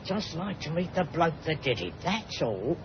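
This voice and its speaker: An actor playing a cheeky, slangy, eager working-class sidekick in 1940s radio style. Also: male voice, fairly high pitch, sing-song, moderate pace. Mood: cheery. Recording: dull archive radio recording with hiss.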